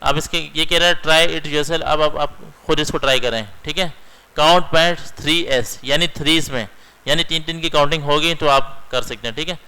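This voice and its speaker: In this low-quality screen-recorded computer lesson, a young instructor talks fairly fast with a fairly high, bright, forceful yet smooth voice. He takes his students through the material step by step, repeatedly asking "theek hai" to make sure they're following.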